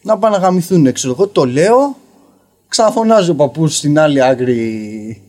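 A young man telling a story casually on a podcast as a guest comedian, rambling and filling pauses with "you know". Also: fairly high pitch, lively intonation, a little mellow. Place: basement podcast studio.

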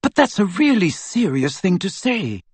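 A man voicing a timid, earnest teenage witch girl in a storybook, with a breathy, careful manner. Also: high voice, big pitch swings, normal speed, no echo, pitched above the performer's own voice, full character voice. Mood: breathless concern.

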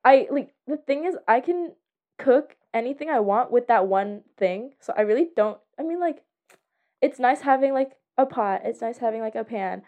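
Young woman, high voice, giggly and slangy, casual podcast conversation. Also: animated, moderate pace, darkish tone, lo-fi sound. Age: young adult. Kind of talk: casual chat.

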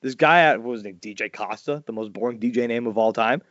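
A man, hosting a casual podcast chat and telling stories loudly, his voice jumping up high when he gets worked up. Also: fast talker, dry recording. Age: 40s. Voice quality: loud voice. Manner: animated storytelling, swings high when excited. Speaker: podcast host. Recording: dull lo-fi dry sound.

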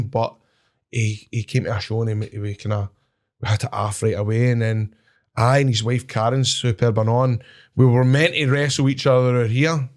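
A man with a Scottish accent telling animated, swearing-laced stories as a wrestler guest in casual chat. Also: medium pitch. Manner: animated, swears, laughs at his own stories.

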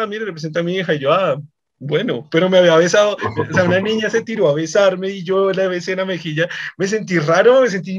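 A young Colombian man with a Colombian accent, hosting a podcast and telling casual anecdotes in a rambling way, repeating words and chuckling. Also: sits high. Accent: Colombian Spanish. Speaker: podcast host. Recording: slightly dull lo-fi podcast audio.

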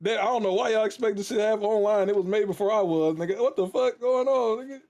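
A man's voice: high voice, fast talker, darkish tone. A man in his twenties, a podcast guest, talking brashly with swearing and laughter. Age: 20s. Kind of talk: casual gaming podcast chat.

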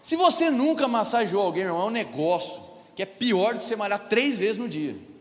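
A Brazilian pastor in his thirties preaches in a church hall, telling a personal story and frequently calling "amém?" and "irmão" to the congregation. His Portuguese-accented voice sits high, expressive and brisk, with a big-room sound.

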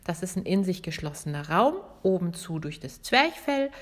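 A woman's voice: on the low side, normal speed. Brief: upbeat woman voice coach, podcast host, speaks directly to the listener. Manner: lively, addresses listener directly, demonstrates voice examples. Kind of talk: friendly podcast coaching talk.

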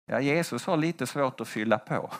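A man preaching a testimony sermon as a mission leader, telling stories and acting out the voices of the people he quotes. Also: mid-range voice.

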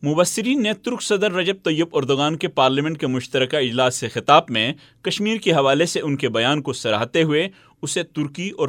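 A man reporting as a radio correspondent, reading a scripted news report in a formal, steady way. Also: a little high, no room sound, studio quality.

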